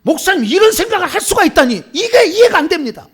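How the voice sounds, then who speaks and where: A man's voice: extremely high pitch, big pitch swings, fast, fairly bright tone, pitched above the performer's own voice, exaggerated voice. A male pastor acting out an older male church elder with a hot temper, who swings between meek mumbling and indignant protest.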